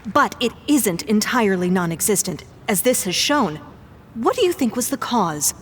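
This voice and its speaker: An actress in an audio drama plays a pushy, probing female news reporter who fires off insistent leading questions. Her mid-range voice is sing-song and moderately paced, close to an everyday voice, with a noisy crowd in the background.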